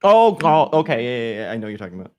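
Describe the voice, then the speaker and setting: A man's voice: medium pitch, big pitch swings, racing, a crowd in the background. A man chatting casually, reacting readily with exclamations and short remarks. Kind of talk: casual chat.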